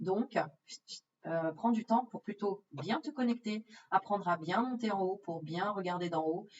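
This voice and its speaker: The woman's voice shows ordinary pitch variation. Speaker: medium and personal development guide. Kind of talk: tarot reading video. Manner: fast; hesitant, many fillers.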